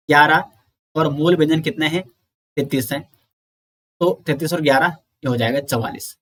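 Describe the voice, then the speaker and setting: A man giving an exam-prep lecture, explaining slowly, repeating sounds and counting aloud. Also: fairly high pitch, a bit bright. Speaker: teacher.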